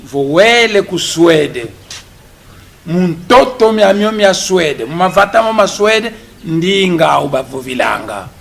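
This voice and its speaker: A politician addresses the press in a measured, unhurried way, his voice rough with fry and pitched a little high. He is a man whose first language is Kikongo, and he moves between French and Kikongo as he speaks. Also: big pitch swings, fairly bright tone. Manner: slow, deliberate delivery, switching between French and Kikongo. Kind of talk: press conference statement.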